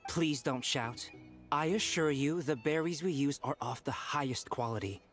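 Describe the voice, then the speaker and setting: An actor voicing a calm, polite restaurant owner in a game, speaking in a reassuring way. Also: mid-range voice, normal speed, soft background music, lightly acted. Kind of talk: game voice acting.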